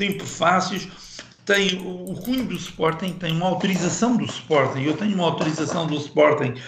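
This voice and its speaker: A man with a high voice speaks at a fairly slow pace. Audible room echo and noticeable background noise fill the recording. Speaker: former kickboxing champion and coach. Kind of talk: interview. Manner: animated.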